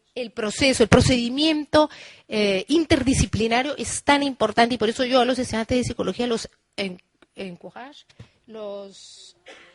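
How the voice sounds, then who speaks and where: A woman with a high-pitched voice speaks with big swings in loudness. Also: ordinary pitch variation, moderate pace, dry, close sound with no echo. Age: 60s. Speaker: psychology professor. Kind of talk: lecture.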